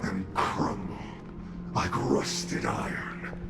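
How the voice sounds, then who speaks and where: A man voicing a cold, contemptuous black-robed swordmaster villain in a video game, with formal, disdainful phrasing and a gravelly voice. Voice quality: gravelly, breathy sighs. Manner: slow, disdainful, archaic formal speech. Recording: echoing voice over loud game music.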